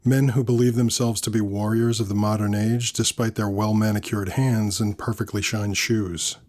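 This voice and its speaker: A man narrating a scripted first-person story in a measured, dry, wry manner. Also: lowish voice, little pitch movement, darkish tone.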